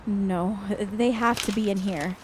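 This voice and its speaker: A woman's voice: medium pitch, steady tone, unhurried, noisy background, close to an everyday voice. An actress playing an anxious, homesick young woman with a wry streak in an audio drama, speaking casually. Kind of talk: acted dialogue in an audio drama podcast.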